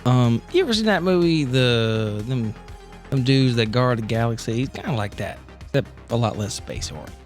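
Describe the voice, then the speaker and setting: A man's voice: medium pitch, animated, normal speed, faint music behind. A man bantering casually as a player on a tabletop role-play podcast, joking and swearing freely. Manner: profane, joking.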